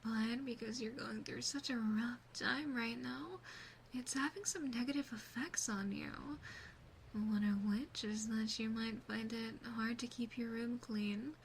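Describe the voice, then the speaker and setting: A woman plays a doting yet playfully menacing demon sister in an ASMR roleplay. The voice is highish and soft, slipping into breathy whispers, very close to a binaural mic. The words come slowly, with a faint noise behind them. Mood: gently reassuring. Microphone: close binaural microphone.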